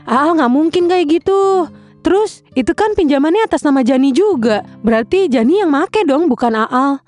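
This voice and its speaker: A woman voicing a boyfriend's relative who talks slowly and offhandedly. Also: high voice, animated, darkish tone, faint music behind. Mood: dismissive. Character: boyfriend's relative, dismissive and unbothered.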